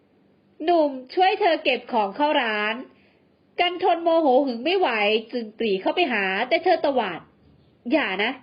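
A woman narrating a bedtime story in a lively, dramatic reading. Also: high voice, normal speed, lo-fi sound.

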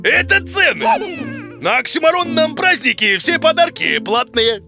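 Bumbling monster teacher for kids' cartoon: blustery, exclaiming, very animated, music underneath. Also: male voice, very high-pitched, moderate pace, gravelly, full character voice. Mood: excited. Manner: blustery, exclaiming, mangles words. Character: bumbling, boastful big monster who plays teacher, male. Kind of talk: children's cartoon voice acting.

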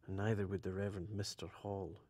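An actor playing a vain, haughty gentleman thief in a radio play, wry and mocking. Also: low voice, level tone, brisk. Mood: mock solemn. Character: vain, defiant gentleman thief awaiting execution.

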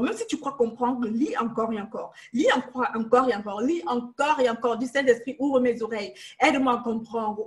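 A young woman leading a Bible study over a webcam from her living room, emphatic and repetitive, slipping English words into her teaching. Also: fairly high pitch. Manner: emphatic, repeats phrases, mixes in English words. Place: living room, seated in armchair. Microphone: webcam on a video call.

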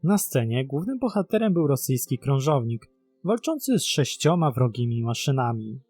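A man's voice: medium pitch, sing-song, moderate pace, a little mellow, breathy edge, no room sound, soft background music. A man narrating a scripted documentary about mysteries in a dramatic storytelling manner. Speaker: narrator of a mystery web series.

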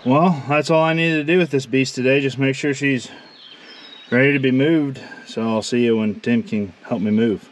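A man's voice: medium pitch, steady tone, moderate pace. A man in his forties from Iowa, a farmer narrating his work outdoors in a casual, folksy way, talking to the camera. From Iowa, USA. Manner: plainspoken, folksy, thinking aloud while working. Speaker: farmer vlogger. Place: outdoors on a farm, by a barn and machinery. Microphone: head-mounted action camera. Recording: loud machinery noise. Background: engine and machinery clatter.

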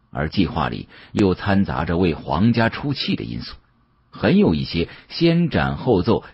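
A man reads a novel aloud with dramatic flair. His voice is deep and heavily husky, moving through animated rises and falls in a colloquial storyteller's manner. The recording is close and dry, though somewhat dull. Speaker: audiobook narrator. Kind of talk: dramatic first-person novel narration. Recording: muffled, dull lo-fi audio.

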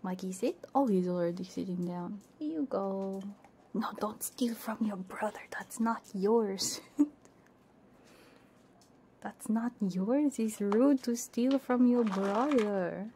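A woman's voice: medium pitch, slow pace, warm tone. A woman livestreamer chatting casually and playfully, often dropping into a whisper, with a giggly, doting way of talking as if to pets. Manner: giggly, doting and playful, cooing to pet dogs. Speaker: livestreamer, ASMR VTuber. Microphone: binaural 3Dio ASMR microphone. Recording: faint background noise, live stream.

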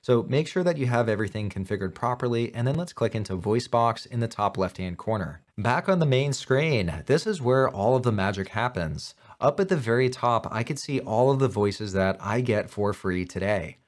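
A man in his thirties giving an upbeat, clearly explained software tutorial from a home office. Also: mid-range voice, lively intonation, normal speed, hardly any pauses. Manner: upbeat, clear instructional delivery. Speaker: tech tutorial host. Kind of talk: scripted tutorial narration.

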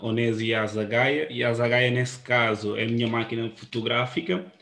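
A man's voice: mid-range voice, fairly even intonation, brisk, creaky, fairly bright tone. A man in his thirties, born in Guinea-Bissau and raised in Portugal, giving an informal presentation on a video call. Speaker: photographer presenting his project at a debate. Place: indoor room on a video call. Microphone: computer microphone on video call.

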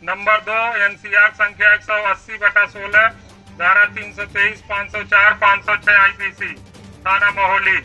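High, sharp-voiced man crying a proclamation. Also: completely flat delivery, faint music behind. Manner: formal, declamatory, in short measured phrases. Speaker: police officer making a public announcement. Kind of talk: town crier proclamation, reading an official order aloud. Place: outdoors in a village street. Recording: dull lo-fi loudspeaker announcement recorded outdoors.

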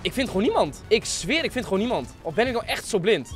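A man, giving excitable live gameplay commentary in slangy speech sprinkled with English gaming words, close on a desk mic. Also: high voice, quick pace, soft background music. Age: 20s. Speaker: game streamer hosting an online hide-and-seek. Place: small room at a gaming desk, indoors. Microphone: close desk microphone.

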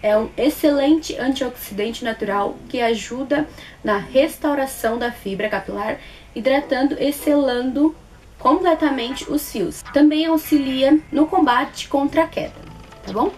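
A woman in her twenties with a Brazilian accent, chatting casually to camera as a beauty vlogger, expressive and repeating words for emphasis. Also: high-pitched, a little slow, a little hiss or hum. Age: 20s. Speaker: beauty vlogger reviewing products. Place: small plain indoor room.

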